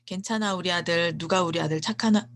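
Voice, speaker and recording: A woman's voice: fairly low pitch, fast, natural voice. A woman voicing a loving mother who comforts her young son in a tender, reassuring way.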